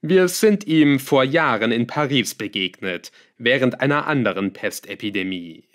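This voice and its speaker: A man's voice: mid-range voice, normal speed, natural voice. A man doing Melchior, a smug scheming villain. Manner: calm, smug, lightly scornful. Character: scheming male villain, cool and mocking. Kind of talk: audiobook character voice.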